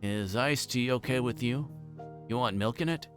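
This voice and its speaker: A man's voice: medium pitch, normal speed, over music, close to an everyday voice. A man voicing a sly, insinuating detective, casual and needling, in a visual novel read-through.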